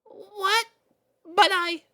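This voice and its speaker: A woman's voice: extremely high pitch, fairly even intonation, drawn-out words, bright, forceful tone, voice pushed up, exaggerated voice. A woman voicing an anxious, lovesick young unicorn filly in a story reading, plaintive and easily flustered. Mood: protesting. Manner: plaintive, flustered, hesitant with stammers.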